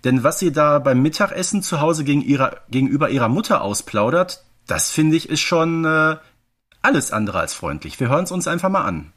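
A man's voice: a little high, sing-song, a little fast, fairly bright tone. A man in his forties co-hosting a podcast, giving analysis in a conversational style. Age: 40s. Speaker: podcast co-host.

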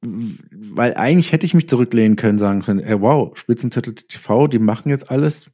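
A man's voice: mid-range voice, lively intonation, brisk, warm tone. A man speaking as a guest in a casual interview, thinking aloud with repeated words and self-corrections.

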